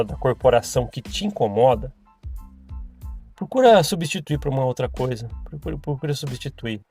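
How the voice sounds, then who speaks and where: A man's voice: mid-range voice, a little mellow. A Brazilian man hosting a podcast and talking casually, rambling with restarts and chuckles. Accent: Brazilian Portuguese. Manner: chatty, rambling, with frequent restarts and laughs. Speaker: podcast host.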